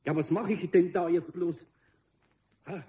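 An actor playing a grumpy, worried older master craftsman in a children's radio play, with a Bavarian accent and a rough, husky voice. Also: high voice, steady tone, measured pace, dark tone, a little hiss or hum. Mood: dismayed.

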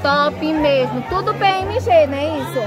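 A woman, chatting excitedly as she films herself walking through an outdoor clothing market and asking sellers for prices. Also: high voice, moderate pace, over loud music. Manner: gushing, chatty, repeats "minha gente". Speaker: shopping vlogger. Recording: crowd noise behind. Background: busy market crowd.

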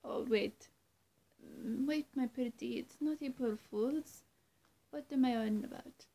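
Casting: young woman acting female vampire for listener roleplay; higher-pitched, unhurried, teasingly menacing, dropping toward a whisper. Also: dark tone, exaggerated voice. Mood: mock sweet. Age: young adult. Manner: halting, teasing threats with long pauses, often dropping to breathy near-whisper. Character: menacing, two-faced female vampire, sweet then threatening. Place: small room at home, indoors.

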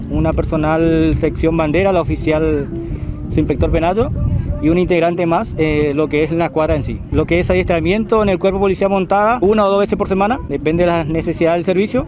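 A police officer in his thirties with an Argentine accent speaks in formal, bureaucratic phrasing. His voice sits high for a man. He talks into a handheld reporter's mic on an open field. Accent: Argentine Spanish. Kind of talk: formal interview. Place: open grass field outdoors.

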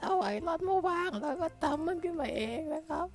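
Squeaky jumpy game hero. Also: male voice, a little fast, faint music behind. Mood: excited. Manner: excitable, yelps and curses when startled. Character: squeaky high-voiced young male game hero, jumpy and excitable. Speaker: game caster. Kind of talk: playing and narrating a block-building game in a put-on voice.

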